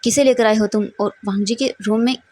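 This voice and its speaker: A woman's voice: a little high, steady tone, a little fast, a little mellow, close to an everyday voice. A woman voicing an anxious older father who stammers and repeats himself while pleading.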